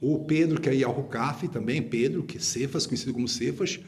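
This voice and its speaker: A man's voice: medium pitch, a little fast, a little mellow. A man preaching a sermon as an apostle, emphatic and rebuking, repeating phrases for stress.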